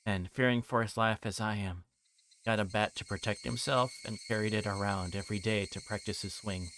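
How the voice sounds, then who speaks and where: A man with a fairly low voice streams a visual novel, reading narration and making casual asides. His delivery halts and hesitates when he chats. Faint noise and chirping insects sit behind him. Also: fairly even intonation, a bit bright. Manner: hesitant, halting when chatting. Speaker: livestreamer.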